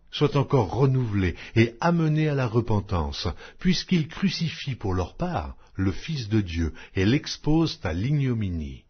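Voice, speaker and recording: A man reading scripture aloud as an audiobook, in a solemn, measured, declamatory way. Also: lowish voice, breathy edge, highs cut off. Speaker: audiobook Bible reader.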